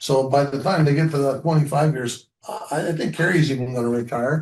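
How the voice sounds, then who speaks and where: At a fairly quick pace, a man talks in a somewhat breathy, fairly high voice with ordinary pitch variation. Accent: Canadian prairie. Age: 60s. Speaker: rural municipality reeve. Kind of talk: interview. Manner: halting, with many repeated words.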